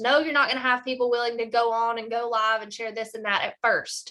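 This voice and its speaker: Speaking at a fairly quick pace, a woman with a Southern US accent has a high-pitched voice. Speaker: direct sales team leader. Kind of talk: leadership training call. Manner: animated.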